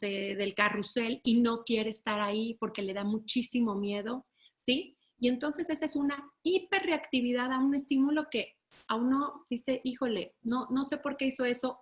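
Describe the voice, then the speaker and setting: A woman delivers a webinar lecture in a high, bright-pitched voice. She explains patiently and keeps checking in with her listeners. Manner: explanatory, asks the audience "¿sí?" to check understanding; acts out children and parents in raised voices.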